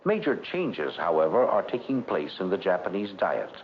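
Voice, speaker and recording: A man narrating a scripted 1960s educational documentary in a measured, formal delivery. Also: deep voice, big pitch swings. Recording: dull vintage 1960s film soundtrack. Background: background music.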